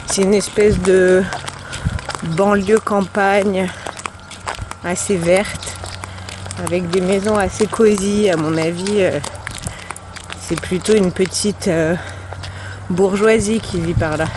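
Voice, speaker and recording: A woman's voice: medium pitch, fairly even intonation, slow pace, long pauses. Chatty young Frenchwoman vlogging outdoors. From France. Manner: chatty, rambling, full of hesitations. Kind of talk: casual travel vlog chat. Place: outdoors in a green village on a trip. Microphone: handheld camera she films with. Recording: outdoor camera audio with clear background noise.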